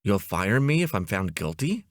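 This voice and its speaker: A man's voice: lowish voice, big pitch swings, normal speed, no echo, clean studio sound. A man voicing a bewildered, meek ad man, the hapless hero of a comic audiobook, hesitant and puzzled. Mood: uncertain.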